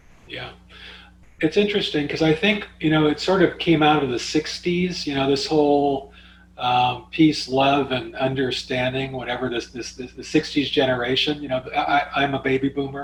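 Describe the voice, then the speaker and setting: Speaking at a moderate pace, a man with a normal speaking voice has a fairly high pitch and ordinary pitch variation. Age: 60s. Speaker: business author and leadership expert. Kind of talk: interview.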